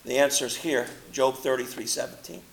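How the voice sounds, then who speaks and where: A man preaching a sermon, rising into loud, impassioned quotations and dropping into low, quiet asides. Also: brisk, creaky, low-quality recording.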